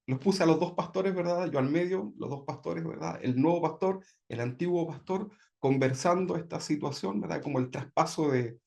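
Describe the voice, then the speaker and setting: A man's voice: a little high, creaky, a little mellow. Man sharing a personal testimony. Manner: conversational, leans on tag questions. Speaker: church member giving testimony.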